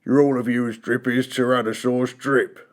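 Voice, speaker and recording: A reader voicing a blustering father tyrannosaurus, brusque and slow. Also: mid-range voice, flat delivery, close to an everyday voice. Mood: gruff.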